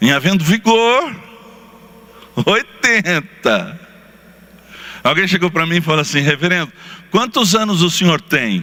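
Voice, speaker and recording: A man with a high voice and lively intonation talks at a fairly slow pace. He leaves long, frequent pauses, and noticeable background noise is present. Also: very even loudness. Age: 60s. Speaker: pastor. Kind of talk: sermon. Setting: church.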